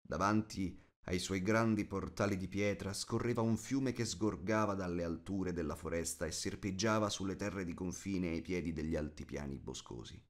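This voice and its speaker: A man narrating a fantasy audiobook as a scripted, expressive storyteller. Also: sits low, normal speed, few pauses.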